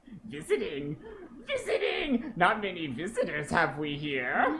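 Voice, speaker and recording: With clear background noise behind him, a man uses a high put-on character voice at a moderate pace. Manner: playful, repeating words.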